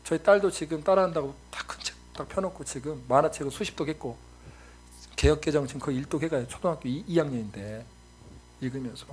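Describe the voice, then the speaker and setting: A man in his forties, a missionary preacher giving a sermon, telling stories with lively acted-out voices. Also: fairly high pitch, quick pace, a little hiss or hum. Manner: animated storytelling, acts out voices.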